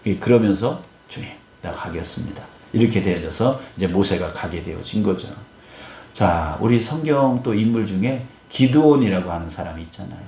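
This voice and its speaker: Male pastor, fairly low voice, chatty early-morning sermon with lots of filler affirmations, roomy church sound. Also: normal speed, creaky, a little hiss or hum. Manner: conversational preaching, frequent affirming "yes" fillers; acts out scripture dialogue in lively voices. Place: church sanctuary.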